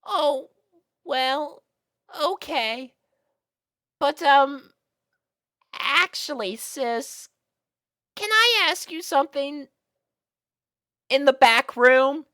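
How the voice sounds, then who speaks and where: A woman voicing a shy, nervous young girl pony in a fan fiction audio drama, with hesitant, halting speech. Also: sits high, expressive, pushed and bright, heavily acted. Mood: pleading. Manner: hesitant, halting, full of ums.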